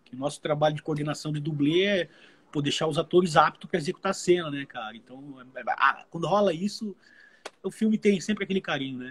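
The man has an ordinary speaking voice, fairly high in pitch with ordinary pitch variation, and moves at a fairly quick pace. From Brazil, interior of São Paulo state (Indaiatuba). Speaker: stunt performer and action actor. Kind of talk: casual interview.

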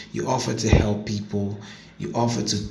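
Noticeable background noise sits behind a man's fairly low voice. His intonation stays fairly even. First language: not English. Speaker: solo podcaster. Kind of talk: casual monologue. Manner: halting, with many fillers.

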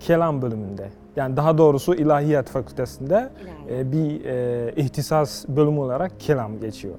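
A man speaks with an East African accent. His pace is moderate and his pitch variation ordinary. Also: medium pitch for a man. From Tanzania. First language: Swahili (speaking Turkish). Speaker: graduate student. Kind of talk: interview. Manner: halting.

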